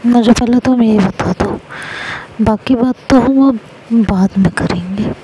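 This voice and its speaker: A woman's voice: on the high side, a little slow, mellow, a little hiss or hum, lightly acted, poor audio. A woman voicing a young college student who lectures her partner in an exasperated tone, in an audio story. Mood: scolding.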